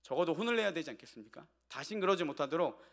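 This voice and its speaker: At an evening church service, a male pastor with a somewhat higher-than-average voice tells a homely family story as if chatting it over with the congregation. He speaks very fast with lively intonation and a slightly bright tone, tossing out the occasional rhetorical question to the pews.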